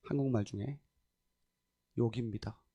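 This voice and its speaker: The recording is lo-fi: a man with a mid-range voice, speaking at normal speed, preaches in a church sanctuary. His sermon features stories in which he animatedly acts out people's voices, laughing often along the way.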